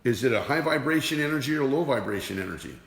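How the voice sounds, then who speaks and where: A man's voice: medium pitch, animated, fast talker, gravelly. Emphatic man teaching in a reverberant room. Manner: emphatic, repeats rhetorical questions. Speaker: energy awareness teacher. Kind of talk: motivational teaching talk. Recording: roomy with long reverb.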